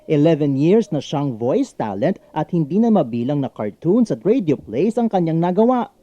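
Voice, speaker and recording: Lively Filipino male news reporter, mellow. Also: on the high side, normal speed, dry recording, lo-fi sound. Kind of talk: scripted news narration.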